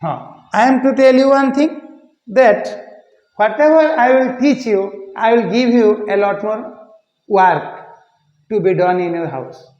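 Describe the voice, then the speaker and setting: A man teaching an English pronunciation lesson, repeating words slowly to show how they should sound. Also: high voice, a little mellow. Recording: echoey room, muffled lo-fi sound.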